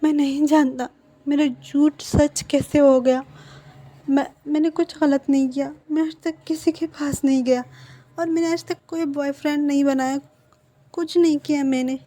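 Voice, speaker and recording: A woman's voice: high-pitched, steady tone, normal speed, mellow, voice pushed up, close to an everyday voice. A woman voicing a tearful young man who stammers and pleads in panic. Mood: pleading.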